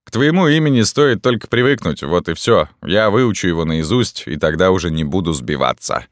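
A man voicing a boastful, amorous young army captain who talks in a smooth, self-satisfied, drawn-out way in a storybook reading. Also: deep voice, expressive, no echo, clean studio sound. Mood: smug.

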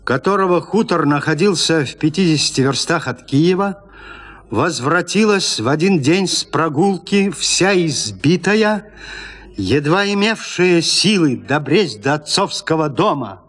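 A man narrating a classic tale in a radio drama, telling it in an expressive, dramatic way. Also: fairly high pitch, measured pace.

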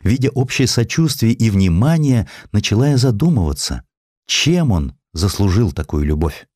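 A man's voice: fairly low pitch, very animated, moderate pace, a little mellow, dry recording, clean studio sound. A man voicing a meek, grieving widow, humble and heartfelt, in a dramatized audiobook. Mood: reflective.

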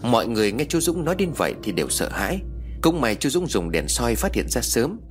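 A male storyteller who narrates a ghost tale with dramatic flair. His pitch swings in lively arcs, and soft music plays quietly beneath him. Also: a little fast.

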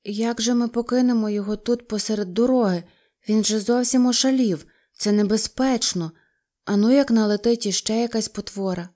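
A woman voicing a gentle male mole who speaks in a worried, pleading way in a storybook reading. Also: mid-range voice, monotone, measured pace, lightly acted.

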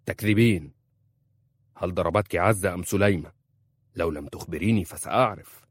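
A man reading an audiobook voices a stern, proud young Arab tribal leader who speaks in a commanding, forceful way. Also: low voice, moderate pace.

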